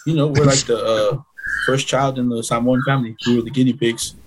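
Man, mid-pitch podcast co-host, jokey asides, noisy track. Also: fairly even intonation, fairly quick. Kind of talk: casual chat.

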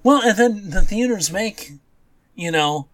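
A man co-hosting a podcast in casual movie chat, often pausing and correcting himself as he goes. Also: high voice, expressive, fairly bright tone. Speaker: podcast co-host.

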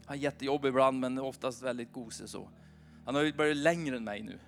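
A man in his forties preaching an informal, animated sermon at a church meeting, often asking his listeners "va?". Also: medium pitch, vocal fry, faint music behind. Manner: chatty, animated, keeps asking the crowd "va?".

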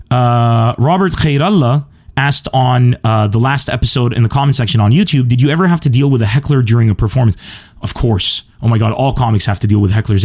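A man's voice: mid-range voice, darkish tone. Emphatic, self-assured male podcast host. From Lebanon. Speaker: podcast host, stand-up comedian. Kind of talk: solo podcast monologue answering listener questions.

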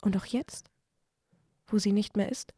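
A woman speaking hushed, short lines in a literary audio play. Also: medium pitch, fairly even intonation, a little slow, breathy edge, no room sound, clean studio sound.

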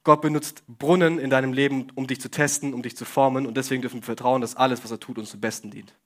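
A man's voice: mid-range voice, steady tone, quick pace. A young man giving a casual sermon, speaking straight to the congregation with questions and joking asides. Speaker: preacher.

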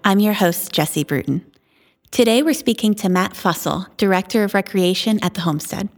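Female interview host, clear and prepared. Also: medium pitch, moderate pace, faint music behind. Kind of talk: scripted host questions.

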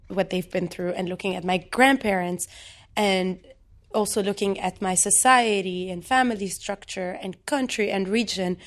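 Soft-spoken reflective woman from Lebanon. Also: medium pitch. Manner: soft-spoken and thoughtful, with frequent "um"s. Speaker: poet and guest. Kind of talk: reflective interview talk.

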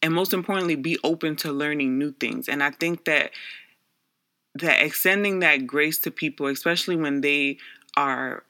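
Young Bronx-raised man, native Garifuna speaker, slightly high voice, earnest reflective monologue. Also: normal speed, pushed and bright. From Bronx, New York, USA. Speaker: social worker.

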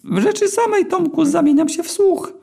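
A man voicing a squeaky, fawning magical male white eel that grants wishes, in a read-aloud story. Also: moderate pace, creaky, warm tone. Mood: obliging. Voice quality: squeaky, thin little voice. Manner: fawning, obliging. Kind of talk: storytelling character voice.

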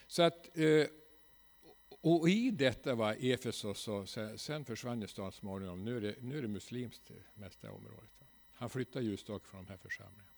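Gravelly folksy Swedish preacher man. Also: on the low side, a little mellow. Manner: folksy, ironic, frequent tag "va?". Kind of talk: seminar sermon. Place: church hall.

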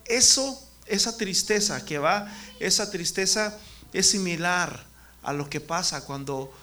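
A man preaches to a group of children, pitching his voice high. His tone is bright and lively, and he keeps turning to the kids with questions, calling on them by name. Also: measured pace. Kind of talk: children's sermon.

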